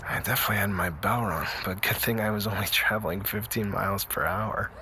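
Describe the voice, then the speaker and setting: A man's voice: on the low side, brisk, sharp tone, a little hiss or hum. An actor playing a brash young male scooter racer in a casual audio drama style. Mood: earnest, dejected.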